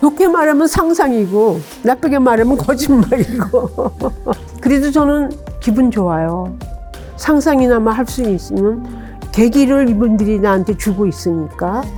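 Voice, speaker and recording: Lively intonation at a fairly slow pace, with music in the background. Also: woman, fairly high pitch for a woman. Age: 80s+. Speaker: painter. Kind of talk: interview answer.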